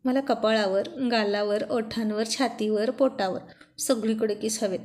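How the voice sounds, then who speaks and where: A pouting, childlike young wife, her voice set a little high, as a woman narrator reads her lines. She talks in a coaxing, sulky way, as in a read-aloud love story. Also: steady tone, a little slow, a little mellow, lightly acted.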